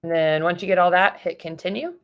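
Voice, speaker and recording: A woman's voice: on the low side, fast talker. A young woman presenting a casual tutorial, informal and instructive. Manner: informal, instructive, asks short questions.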